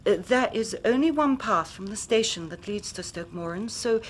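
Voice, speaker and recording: An actress playing an anxious young woman about to be married who speaks softly and politely. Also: mid-range voice, expressive, normal speed, slight background noise, natural voice. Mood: earnest. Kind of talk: radio drama acting.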